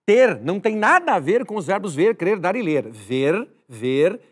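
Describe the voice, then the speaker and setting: A man's voice: sits high, big pitch swings, unhurried, slightly rough. A man teaching a recorded exam-prep grammar lesson, emphatic, repeating key words and speaking straight to the viewer.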